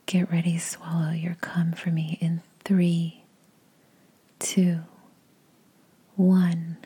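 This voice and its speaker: A woman whispering close to the mic in a slow, coaxing, commanding voice for an intimate audio roleplay. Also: lowish voice, warm tone, husky. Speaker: adult audio performer.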